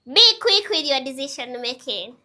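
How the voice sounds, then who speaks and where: A woman's voice: high voice, very animated, moderate pace, bright, forceful tone. A woman in her twenties giving earnest, chatty motivational advice straight to her viewers, repeating her points with casual asides. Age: 20s. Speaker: motivational vlogger. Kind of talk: casual motivational talk to camera.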